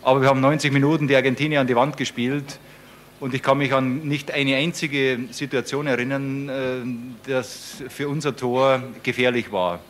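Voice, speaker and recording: A man giving an unscripted sports interview, making firm, deliberate assertions about a match. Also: mid-range voice, steady tone, a bit bright. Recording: archive clip with faint background noise.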